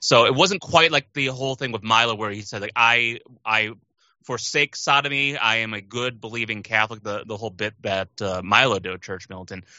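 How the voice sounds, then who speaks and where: In an ordinary speaking voice, a man talks at a fairly quick pace with medium pitch, ordinary pitch variation and big swings in loudness. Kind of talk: casual banter.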